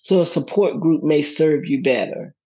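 A middle-aged woman telling a personal story as a guest, lively and laughing often as she acts out what others said. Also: low voice, moderate pace, husky. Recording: dull lo-fi recording.

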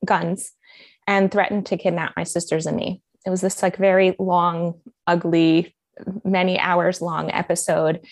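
An American-accented woman from Colombia speaks as a guest in a conversational interview. Her mid-pitched voice is recorded very dry and close, and she tells stories earnestly, with frequent ums and restarts. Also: dry recording. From Colombia, raised in Miami. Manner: earnest storytelling with fillers. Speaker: life coach, podcast guest.

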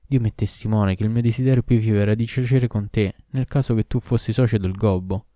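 A man's voice: fairly low pitch, fairly even intonation, fast talker, dark tone, no room sound, studio quality, lightly acted. A man reading aloud who gives the lines of an eager young bride, in an impassioned way. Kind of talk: audiobook reading.

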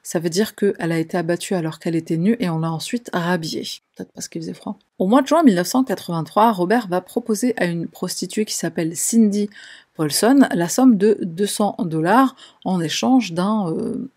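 A woman's voice: lowish voice, normal speed, a little mellow. A woman telling a true crime story as narrator, in a conversational way with wry, sarcastic asides.

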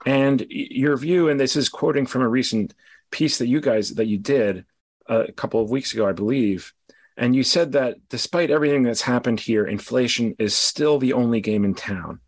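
A man with a medium-pitched voice hosts a podcast. He talks to listeners and guests in an interview-show style. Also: normal speed. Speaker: podcast host.

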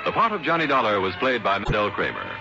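Lively old-time radio announcer man. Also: fairly low pitch, quick pace, music in the background. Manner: crisp formal announcing. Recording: dull lo-fi vintage radio broadcast.

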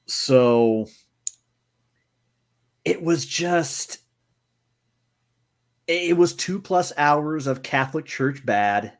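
Slow, deliberate male podcast reviewer. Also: fairly high pitch, expressive. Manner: deliberate, pausing with repeated restarts. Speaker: podcast co-host, movie reviewer. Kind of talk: casual movie review chat.

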